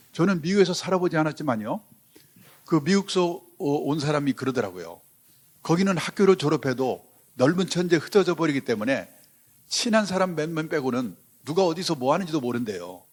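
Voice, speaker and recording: Man in his seventies, lecturer, slightly high voice, conversational storytelling. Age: 70s. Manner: anecdotal, conversational storytelling with asides. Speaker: finance lecturer. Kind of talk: public lecture. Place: lecture hall before a live audience.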